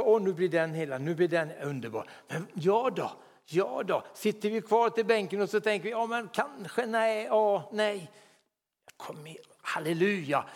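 Preaching man, fairly high voice, fervent, hallelujahs and whispered asides; long church-hall reverb. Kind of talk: sermon.

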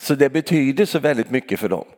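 An older man preaching a relaxed, conversational sermon, often adding questioning tags for agreement and laughing easily. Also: mid-range voice. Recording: long hall reverb.

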